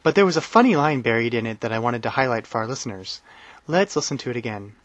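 A man hosts a language-learning podcast in a relaxed, friendly manner. His voice sits at a middle pitch. The recording is dull and dry, with no room sound. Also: fast talker, dry recording. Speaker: podcast host. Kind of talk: casual podcast talk.

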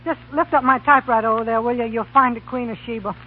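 A man's voice: very high-pitched, fairly even intonation, quick pace. A skeptical, wisecracking young American college man in a 1930s radio comedy. He delivers dry sarcasm and mock-formal quips. The sound is narrow and faintly noisy, like an old broadcast.

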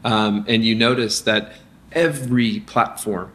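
A founder being interviewed casually about his company speaks in a lowish voice at a measured pace. His manner is energetic, marked by many restarts and filler words.

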